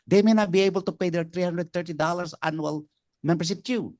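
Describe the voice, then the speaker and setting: A man from the Philippines with a Filipino accent, whose first language is Ilocano, moderating a conference panel and talking haltingly with many fillers and restarts. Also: high voice, a little mellow, dry recording, clean studio sound.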